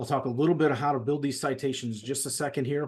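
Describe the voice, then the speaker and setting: This man sounds somewhat breathy, keeping his intonation fairly even. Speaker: marketing consultant. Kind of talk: webinar presentation. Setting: online webinar. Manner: fast.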